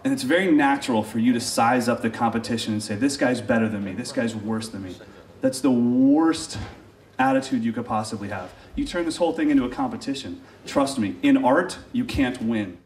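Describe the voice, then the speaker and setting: A man teaching a drum class, energetic, encouraging and joking with his students. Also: medium pitch, a little fast, far from the mic, slight background noise. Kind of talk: live drum lesson teaching.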